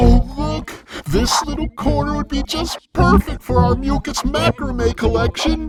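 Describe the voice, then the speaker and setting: A man speaks in a put-on character voice. Faint music plays in the background. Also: moderate pace. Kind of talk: comedy audio sketch, multiple character voices.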